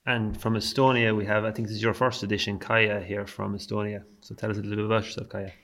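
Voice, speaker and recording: An Irish-accented man hosts an informal panel. His voice is lowish and gravelly, with very little rise and fall. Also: little pitch movement, quick pace, fairly bright tone. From Ireland. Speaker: panel host.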